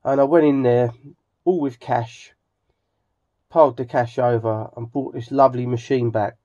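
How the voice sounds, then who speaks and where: A middle-aged man with an English accent gives a casual, rambling vlog narration in a halting, hesitant manner. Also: medium pitch, fairly even intonation, dark tone. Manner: halting, hesitant, with frequent throat clearing. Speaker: hobbyist video host. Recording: slightly dull home recording.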